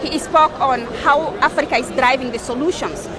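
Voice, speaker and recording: A woman's voice: high-pitched, normal speed, a crowd in the background. A woman from Chad, an indigenous delegate, speaking earnestly and hopefully in a street interview. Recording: outdoor noise.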